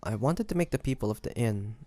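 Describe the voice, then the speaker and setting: A man playing an earnest, guilt-ridden demon hunter in an audio roleplay, speaking gently and haltingly to the listener. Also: mid-range voice, animated, close to an everyday voice. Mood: reflective, remorseful. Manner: hesitant, halting, soft-hearted delivery with pauses. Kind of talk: dramatic audio roleplay acting addressed to the listener.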